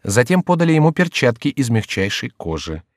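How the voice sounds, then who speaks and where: A man narrating a classic novel in a measured, even storytelling manner for an audiobook. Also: mid-range voice, no room sound, clean studio sound. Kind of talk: scripted literary narration. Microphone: close studio mic.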